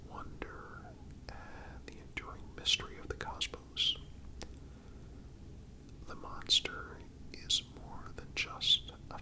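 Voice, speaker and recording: Man whispering a slow ASMR narration. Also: rough recording. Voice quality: breathy, unvoiced whisper. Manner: slow, deliberate, pausing between phrases.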